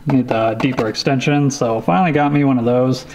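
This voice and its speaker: A man casually showing off tools he bought, talking in a relaxed, rambling way with lots of fillers. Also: mid-range voice, a little fast, a little hiss or hum. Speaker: vlogger showing a tool haul. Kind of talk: casual show-and-tell chat.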